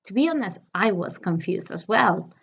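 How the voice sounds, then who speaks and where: Her pitch is medium but swings very widely as a woman speaks with a Spanish accent. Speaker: YouTuber reviewing a reading program. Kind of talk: product review.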